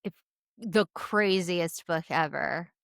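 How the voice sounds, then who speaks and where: A woman's voice: fairly low pitch, takes it slowly, vocal fry, fairly bright tone, no echo, studio quality. A woman chatting casually as a podcast co-host, with a candid, gossipy manner. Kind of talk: casual chat.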